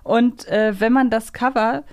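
A woman's voice: on the high side, steady tone, measured pace, darkish tone, clear, resonant tone, no room sound, studio quality. A woman hosting a podcast, chatting casually and enthusiastically, thinking aloud in long winding sentences. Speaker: podcast host. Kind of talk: casual fan chat and quiz banter.

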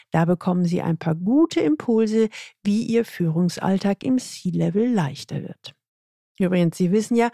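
A woman executive coach hosting a podcast, telling a coaching case in measured, instructive scripted narration. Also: mid-range voice, creaky, dark tone, no echo, clean studio sound.

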